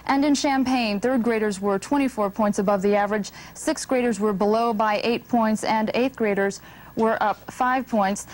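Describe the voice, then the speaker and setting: A woman with an American accent reading a scripted local newscast in a measured, formal anchor's delivery. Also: a little high, poor audio. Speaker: TV news anchor. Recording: old TV broadcast with background noise.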